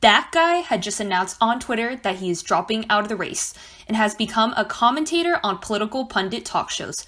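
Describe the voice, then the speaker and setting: A woman's voice: on the high side, animated, a little fast, a bit bright. A woman playing a jaded, sarcastic debate co-host in a staged political satire, with a dismissive way of talking. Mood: mock announcing. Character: jaded, sarcastic female debate co-host and apathetic non-voter.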